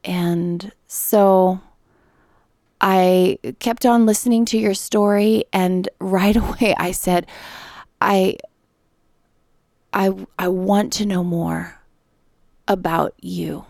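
A woman hosting a podcast, earnest and soft-spoken, sometimes dropping almost to a whisper. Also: medium pitch, steady tone, slow, creaky, long pauses, no echo, studio quality. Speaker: podcast host. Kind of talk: scripted intro, then gentle interview.

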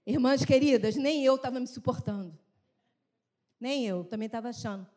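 A woman's voice: fairly high pitch, moderate pace, darkish tone. A woman in her fifties giving an earnest sermon testimony to a women's group, telling a personal story and acting out family dialogue. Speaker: women's ministry speaker.

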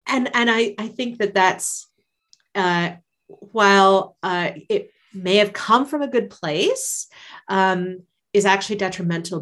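An upbeat woman being interviewed on a podcast, with a voice of middle pitch. She talks warmly and encouragingly, often breaking into laughter. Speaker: guest, singer and life coach.

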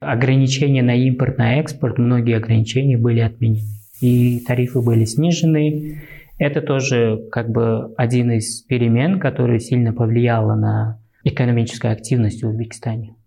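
Gravelly man with a Central Asian Russian accent. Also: mid-range voice, steady tone, moderate pace, mellow. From Uzbekistan. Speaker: interviewed expert guest. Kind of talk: conversational explanation in a podcast interview.

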